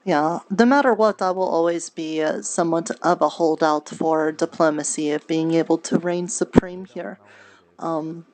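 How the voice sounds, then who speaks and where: Low-pitched woman in earnest, measured roleplay. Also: fairly even intonation, darkish tone. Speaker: roleplay streamer playing a character. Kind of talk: improvised in-character roleplay conversation.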